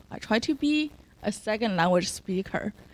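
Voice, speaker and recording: With a strong Chinese accent, a woman speaks at a moderate pace. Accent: thick Chinese. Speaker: club member. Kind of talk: impromptu speech.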